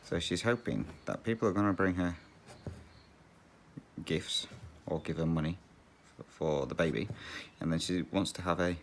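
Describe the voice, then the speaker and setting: Deep-voiced chatty man. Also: moderate pace, a little hiss or hum. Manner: chatty, rambling, laughs often. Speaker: cross-stitch channel host. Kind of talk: casual chat while stitching.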